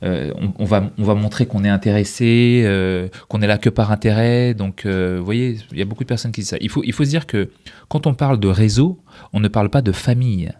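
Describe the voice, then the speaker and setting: Casting: male interview guest, lowish pitch, anecdotal delivery with acted-out quotes. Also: fairly quick, warm tone. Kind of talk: conversational storytelling and advice.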